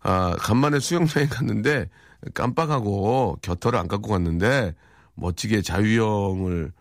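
A man's voice: lowish voice, moderate pace, dry recording. A man hosting a radio show in a studio, chatting playfully and rambling through listener messages with many fillers. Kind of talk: casual radio chat reading listener texts.

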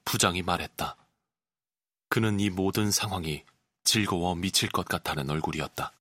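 A male voice actor giving scripted audiobook narration with expressive storytelling, recorded close on a studio mic. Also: low voice, moderate pace, dry recording.

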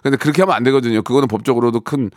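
A man's voice: mid-range voice, very fast, no room sound, studio quality. A man hosting a live radio show, reading listener stories with playful mock-angry outbursts. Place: radio studio.

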